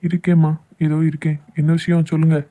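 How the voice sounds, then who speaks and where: In a cartoon love drama, a man with a southern Tamil Nadu accent plays a hurt, jealous young lover, lightly acted and sounding hurt and sarcastic. His voice is fairly high, mellow and monotone, and he talks fast.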